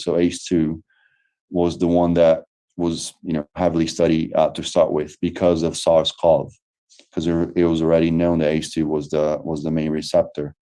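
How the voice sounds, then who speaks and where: Hesitant Brazilian man, deep flat voice. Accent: Brazilian Portuguese. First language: Portuguese. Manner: hesitant, many fillers and restarts. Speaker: lecturer. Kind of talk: online lecture Q&A. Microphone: video call.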